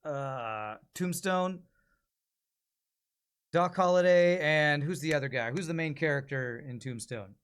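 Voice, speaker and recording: Casual male streamer, slightly high voice. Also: unhurried, a bit bright, smooth. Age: 40s. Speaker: streamer and amateur voice actor. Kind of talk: casual livestream chat, thinking aloud.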